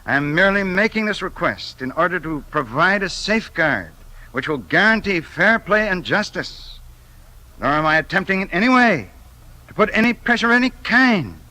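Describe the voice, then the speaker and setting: A man's voice: high-pitched, pushed and bright, rough recording. A man playing a pompous, suspicious politician in a 1950s radio play, talking in a lawyerly, insistent way. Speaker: the Investigator.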